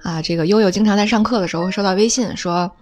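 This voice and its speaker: A woman telling family anecdotes in a casual, humorous way, with many drawn-out filler particles between phrases. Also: mid-range voice, darkish tone. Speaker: storyteller recounting family anecdotes. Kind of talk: casual spoken storytelling.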